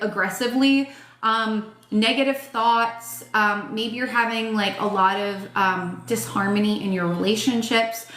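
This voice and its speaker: A woman's voice: a little high, a bit bright, roomy sound, slight background noise. A woman in her thirties giving a casual tarot reading, talking frankly with lots of filler words, her voice tired and starting to crack. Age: 30s. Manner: frank, chatty, swears, lots of "like" and "um". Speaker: tarot reader.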